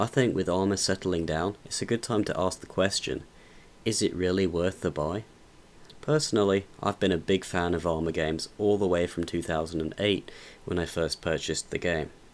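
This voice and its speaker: A man's very deep, low voice moves at a moderate pace, its pitch varying in an ordinary way. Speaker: gaming YouTuber. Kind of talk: game review narration.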